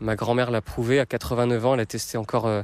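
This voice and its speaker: On a very clean recording against a silent background, the intonation stays fairly even. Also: man. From Lorraine, France (Metz, Moselle). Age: 20s. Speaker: adventurer. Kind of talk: interview.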